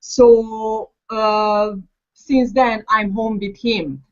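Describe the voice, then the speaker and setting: A woman's voice: on the high side, fairly even intonation, drawn-out words, a little mellow. A woman from Hungary with a Hungarian accent introduces herself on a video call, hesitant and full of fillers. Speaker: guest mother. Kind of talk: casual call self-introduction. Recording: lo-fi call audio.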